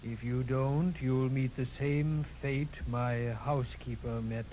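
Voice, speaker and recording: An actor playing a cold, threatening mystery caller with a deep bass voice over a telephone in a 1940s radio drama. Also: male voice, fairly even intonation, warm tone, rough recording. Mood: cold threat. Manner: slow, ominous. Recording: hissy old radio recording.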